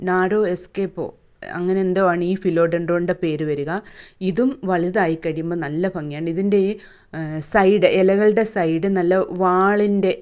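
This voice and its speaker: A woman's voice: on the low side, darkish tone. A woman, talking through her home plant sale in a plain, chatty way with many fillers and restarts. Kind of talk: casual plant sale vlog.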